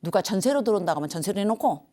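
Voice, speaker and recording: A woman with a Jeolla Korean accent voicing a gruff, stern older male landlord in a story. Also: mid-range voice, animated, very fast, mellow, natural voice.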